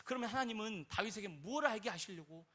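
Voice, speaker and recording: Bright, emphatic man preaching a sermon. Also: high-pitched, animated, fast. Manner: rhetorical questions, swings between loud emphasis and quiet asides. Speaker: pastor.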